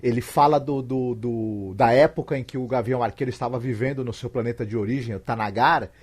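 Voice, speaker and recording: A Brazilian man in casual, explanatory podcast talk, repeating words and halting as he thinks. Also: mid-range voice, darkish tone. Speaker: podcast guest giving recommendations.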